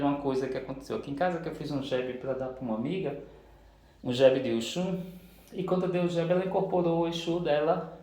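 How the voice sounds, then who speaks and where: A man's voice: a little high, vocal fry, darkish tone. A man vlogging casually from his living room in loose run-on sentences, often tagging on a "right?", recorded in an echoey room at home. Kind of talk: casual spiritual vlog.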